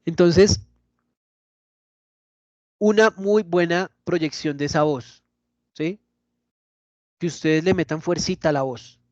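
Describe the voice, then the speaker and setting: A man giving an online lecture in a lively, demonstrative way, often checking in with his listeners. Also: fairly high pitch, slow pace, pauses often, dry recording, lo-fi sound.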